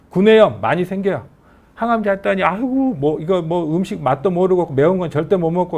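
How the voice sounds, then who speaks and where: A middle-aged man, an oncology professor with a regional Korean dialect, giving a conversational medical lecture. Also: a little high. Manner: animated, conversational lecturing that acts out patients' questions.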